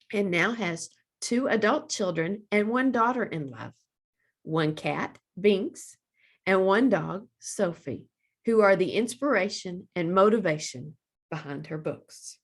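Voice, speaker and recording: A woman reading aloud for young children as a librarian, with deliberate, expressive phrasing. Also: medium pitch, breathy edge.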